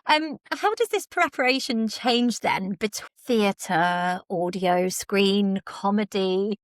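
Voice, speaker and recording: A woman's voice: medium pitch, slow pace, no room sound. Woman hosting, dry close sound. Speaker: podcast host. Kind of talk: casual conversational interviewing.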